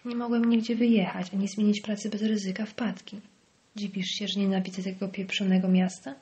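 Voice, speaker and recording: A woman's voice: mid-range voice, little pitch movement, brisk, warm tone, lightly acted. A woman voicing a bitter, venomous middle-aged male village doctor in an audiobook, sneering and dropping into hissed whispers. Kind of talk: audiobook character voice.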